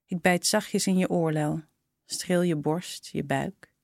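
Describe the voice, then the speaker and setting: Slow, low-voiced woman reading intimately. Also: fairly even intonation, vocal fry, a little mellow, no room sound, clean studio sound. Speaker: narrator reading a short story. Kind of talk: scripted storytelling.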